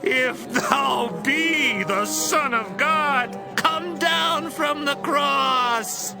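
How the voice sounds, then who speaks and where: A man playing a jeering passer-by in a dramatized scripture reading, with drawn-out taunting delivery. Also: extremely high pitch, gravelly, music in the background, heavily acted. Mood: mocking.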